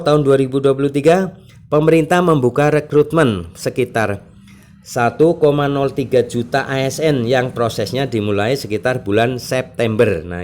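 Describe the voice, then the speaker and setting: A man hosting an online channel, reading news aloud with informal, reassuring explanatory asides. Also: mid-range voice. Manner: reassuring, explanatory asides, often ending phrases with "ya". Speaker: YouTube channel host.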